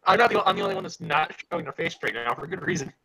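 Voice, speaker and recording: A man's voice: a little high, rapid-fire, gravelly, pushed and bright, slight background noise, poor audio. A man hosting a casual group stream, teasing the others and laughing often. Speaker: stream host. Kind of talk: casual chat.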